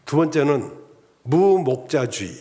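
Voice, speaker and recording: A male pastor preaching a Sunday sermon in a measured, enumerating style, often addressing the congregation directly. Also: fairly high pitch, expressive, dark tone. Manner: measured preaching with enumerated points and rhetorical asides. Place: church sanctuary.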